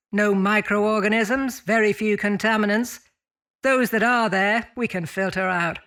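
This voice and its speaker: An actress playing a brisk female mining chief and officer on a spaceship, giving formal log reports in a sci-fi audio drama. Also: medium pitch, fairly bright tone, natural voice. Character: brisk woman mining chief turned acting captain of spaceship. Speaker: voice actor.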